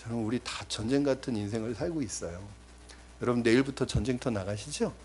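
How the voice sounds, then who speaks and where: A man's voice: fast talker, a little mellow, slight background noise. A middle-aged man preaching a sermon to his congregation, emphatic, addressing them directly and often quoting scripture. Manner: emphatic preaching with big swings in pitch and volume. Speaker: pastor.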